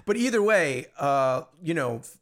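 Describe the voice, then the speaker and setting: A man hosting a podcast, slightly hoarse, chatting in an upbeat, rambling way. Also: a little high, big pitch swings, measured pace, a bit bright. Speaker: podcast host. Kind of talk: casual podcast interview.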